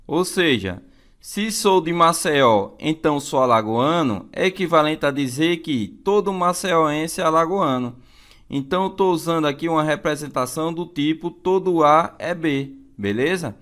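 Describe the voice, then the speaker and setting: A man's voice: a little high, lively intonation, normal speed, fairly bright tone. Brazilian man teaching, didactic and repetitive. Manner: didactic, repeats key phrases, checks in with listeners. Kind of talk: explanatory exam-prep lesson.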